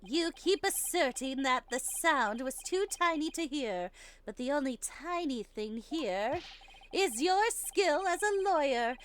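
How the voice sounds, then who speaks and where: A woman's voice: sits high, lively intonation, a little slow, a little hiss or hum, voice pushed up. A woman voicing a smug, sneering male prosecutor in a courtroom game, with a condescending, taunting manner.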